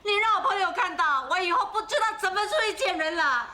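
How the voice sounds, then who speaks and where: An actress playing a jealous wife who shouts accusations and sobs while yelling at her husband in a TV drama. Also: very high voice, animated, fast, full character voice. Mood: sobbing rage. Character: jealous shrill wife, loud and quarrelsome. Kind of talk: TV drama acting.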